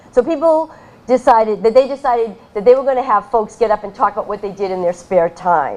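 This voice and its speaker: A woman with an unremarkable speaking voice, fairly high pitch and lively intonation at a fairly quick pace. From Massachusetts (Salem). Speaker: feng shui consultant, former nurse. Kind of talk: public presentation. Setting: library talk with audience.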